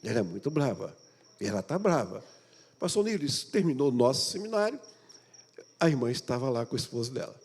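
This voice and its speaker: A male pastor preaching a sermon, telling a story and acting out the dialogue in an animated way. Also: mid-range voice. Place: church hall. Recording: long reverb of a large hall.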